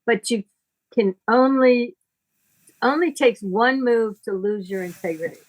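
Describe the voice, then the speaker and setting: A woman speaking conversationally as a spiritual teacher, deliberate and emphatic, with a moralizing way of talking. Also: a little high, low-quality recording.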